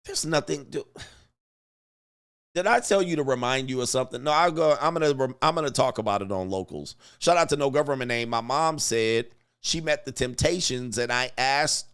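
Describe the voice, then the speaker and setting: A man's voice: mid-range voice, moderate pace, fairly bright tone, clear, resonant tone. A middle-aged man from Southern California, hosting a casual livestream and reading viewer super chats with laughing, mocking asides.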